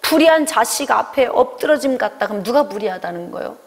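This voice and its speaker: A middle-aged woman pastor giving an animated Bible study lecture, now and then acting out a scolding voice. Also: on the high side, quick pace, long reverb tail. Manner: animated, acts out God's scolding voice in quotes.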